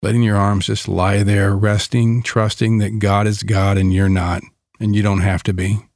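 A man leading a guided Christian meditation in a calm, soothing, gentle way with long pauses. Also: lowish voice, no echo, studio quality.

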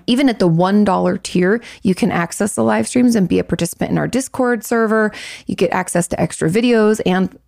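A woman therapist hosting her own advice show talks in a casual, reassuring way. Her voice is hoarse and raspy with a gravelly fry. The sound is dry and close. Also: medium pitch, a little mellow, no room sound. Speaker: host, licensed marriage and family therapist.

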